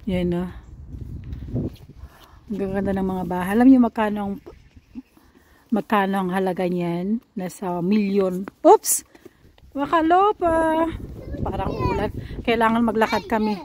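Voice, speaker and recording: A chatty Filipino-accented woman talks casually to her viewers, mid-pitched and easygoing. She is recorded on a small handheld camera, and a roomy echo hangs around her voice. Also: fairly even intonation, moderate pace, pauses often, darkish tone, a little hiss or hum. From Philippines. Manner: chatty, addresses viewers as friends. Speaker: vlogger and nanny. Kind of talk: casual vlog chat. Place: house and garden, indoors and out. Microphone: handheld compact camera.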